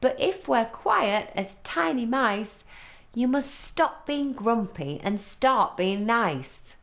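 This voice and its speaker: A woman's voice: fairly high pitch, very animated, slow pace, gravelly, a bit bright, voice pushed up, full character voice. A woman voicing a kindly mother goat from a children's storybook, politely reciting her written notes. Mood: coaxing, firm.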